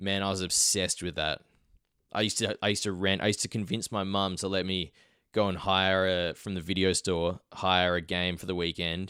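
A man's very deep, low voice with an Australian accent, bright and sharp in tone, monotone and flat, at a fairly quick pace on a very clean recording with a silent background. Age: 30s. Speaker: podcast host, former streamer. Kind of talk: casual solo podcast chat.

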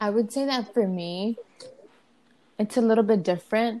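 Delivered at a moderate pace in an American accent, the voice has a dark, mellow tone and fairly even intonation. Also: woman. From Dallas, Texas. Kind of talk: casual chat.

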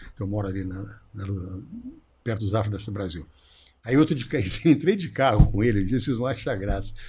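Somewhat breathy and dark, mellow in tone, a man's fairly low voice moves at a fairly quick pace with ordinary pitch variation, big swings in loudness, and long, frequent pauses. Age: 70s. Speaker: former football referee and TV commentator. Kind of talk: casual interview chat.

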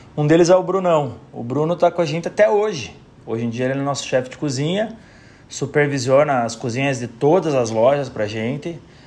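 This unremarkable speaking voice moves at a fairly quick pace with lively intonation. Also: man, fairly high pitch for a man. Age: 30s. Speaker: entrepreneur. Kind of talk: personal storytelling monologue. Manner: casual.

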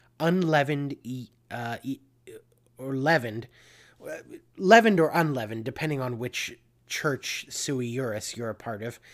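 Long, frequent pauses run through this very clean recording with a silent background. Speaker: podcast host. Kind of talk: casual solo podcast monologue. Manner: slow.

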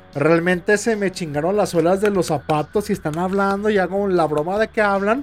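A man speaks in a high voice at a moderate pace, with ordinary pitch variation. He hardly pauses, and music plays in the background. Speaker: podcast host. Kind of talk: casual chat. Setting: live stream.

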